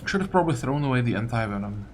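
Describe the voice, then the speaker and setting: A man's voice: medium pitch, animated, rapid-fire, slight background noise. A man giving casual gameplay commentary, muttering short reactions to himself as he plays. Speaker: gaming video creator playing and commenting. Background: game music.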